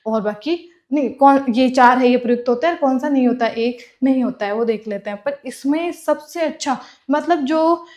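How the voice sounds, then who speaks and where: A woman's voice: high-pitched, moderate pace, darkish tone. A woman teaches an exam-prep class. She repeats each term, then asks and answers her own questions. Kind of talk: classroom lecture.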